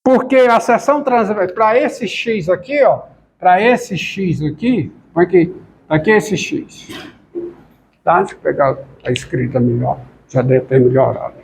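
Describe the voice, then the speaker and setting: A man's voice: high-pitched, expressive, unhurried, vocal fry, slight background noise. A man giving a calculus lecture, talking while he writes and repeating questions to the class. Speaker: math lecturer.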